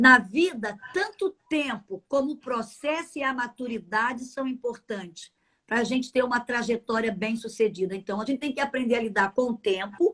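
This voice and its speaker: A woman with a high-pitched voice speaks at a moderate pace with hardly any pauses and ordinary pitch variation. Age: 60s. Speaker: pastor. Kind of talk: casual chat. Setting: live stream.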